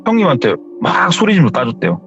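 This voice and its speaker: A man's voice: fairly high pitch, huge pitch swings, fast talker, creaky, a bit bright. A man narrating a horror story in a conversational, dramatic retelling style. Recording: slightly dull sound with faint music.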